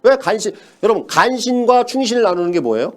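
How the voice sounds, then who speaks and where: Man, motivational lecturer, slightly high voice, lively swooping delivery, emphatic. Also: fast talker. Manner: emphatic, repeats key words, fires rhetorical questions at listeners. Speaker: sales coach lecturer.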